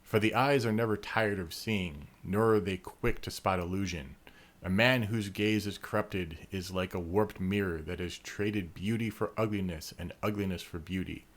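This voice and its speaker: Low-voiced man teasing his co-host. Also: moderate pace. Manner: teasing, reads long passages evenly. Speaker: podcast co-host. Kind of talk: casual chat and reading lore aloud.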